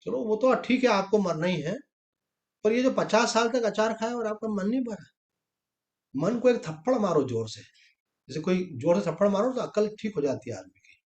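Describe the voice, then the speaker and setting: A man's voice: high-pitched, lively intonation, moderate pace, echoey room. A man, a swami, giving a spiritual discourse, who asks rhetorical questions and answers them himself, using homely examples. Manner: conversational, with everyday examples and short quoted exchanges. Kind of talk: sermon on the Gita.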